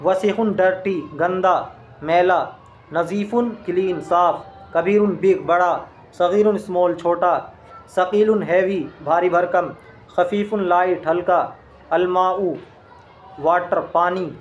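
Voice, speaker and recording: A man's voice: high-pitched, steady tone, slow, highs cut off, a little hiss or hum. A man teaching an Arabic grammar lesson in speech, explaining step by step and quizzing his listeners with questions.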